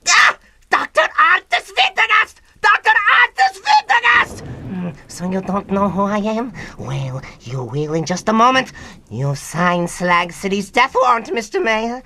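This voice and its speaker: An actor, a man, playing a petulant young mad scientist villain with a pompous, excitable delivery in a comedic radio drama. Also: sits high, unhurried, heavily acted. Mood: indignant, flustered. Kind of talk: comedic old-time radio drama acting.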